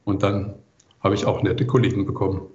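An older man giving relaxed answers as an interview guest. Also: deep voice, fairly quick. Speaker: composer interviewed as podcast guest. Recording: muffled, roomy, echoey remote recording.

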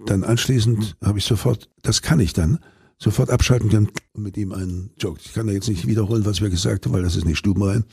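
Brief: older male actor, deep gravelly timbre, loose anecdotal delivery with restarts, dry close sound. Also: fast talker, mellow, no echo. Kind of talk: interview answers.

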